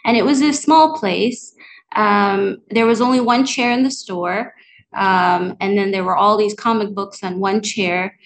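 A woman, a cafe owner, talks from home as a podcast guest, telling her story in a chatty, animated way. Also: mid-range voice, a little slow, vocal fry, a little hiss or hum, low-quality recording. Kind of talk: conversational interview.

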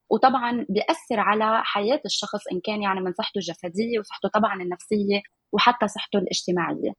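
A woman's voice: medium pitch, husky, dry recording. A woman with a Levantine Arabic accent explaining things conversationally as an expert guest, mixing English words into her Arabic. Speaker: guest nutritionist specializing in eating disorders.

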